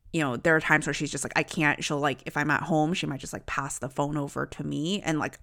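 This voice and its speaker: A young woman co-hosts a podcast and tells a family story in a reflective, easygoing way. Her voice is low with a gravelly fry, and her speech stays clear and smooth. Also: fairly bright tone. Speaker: podcast co-host. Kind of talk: casual conversation.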